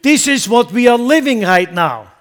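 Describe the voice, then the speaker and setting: A man's voice: very high-pitched, animated, normal speed, smooth. A man preaching a sermon as a pastor, impassioned and repeating words as he builds emphasis.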